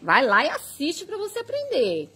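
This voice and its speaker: A woman's voice: high-pitched, wildly swooping pitch, moderate pace, a bit bright. A Brazilian woman teaching crochet on a live stream, chatting and reading viewer comments aloud. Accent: Brazilian Portuguese.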